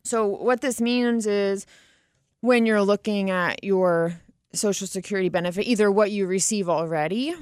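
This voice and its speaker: A woman's voice: mid-range voice, normal speed, darkish tone, clean tone, no room sound, clean studio sound. A woman radio host and financial advisor talking in a chatty, casual way, laughing easily.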